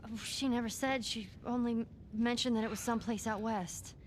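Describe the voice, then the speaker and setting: A woman's voice: fairly high pitch, steady tone, fairly quick, slight background noise, close to an everyday voice. An actress playing a curious, defiant teenage girl in a game cutscene. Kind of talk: video game cutscene acting.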